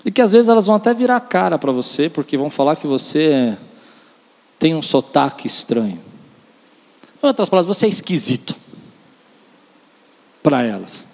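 A man's voice: on the high side, sing-song, moderate pace, creaky, long pauses, a little mellow. A man delivering a charismatic church sermon as a preacher, speaking emphatically and directly to his listeners, with repetition and acted-out dialogue. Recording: long reverb of a large hall.

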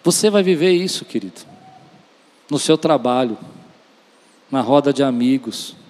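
A man's voice: mid-range voice, lively intonation, a little slow, a little mellow. A man delivering a charismatic church sermon as a preacher, speaking emphatically and directly to his listeners, with repetition and acted-out dialogue. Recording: long reverb of a large hall.

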